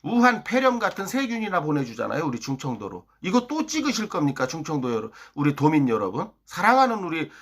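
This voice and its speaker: A man from Chungcheong, South Korea, rants a political monologue to his viewers. His pitch swings up and down as he hectors and fires off one rhetorical question after another. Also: wildly swooping pitch, a little fast, hardly any pauses. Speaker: political YouTuber.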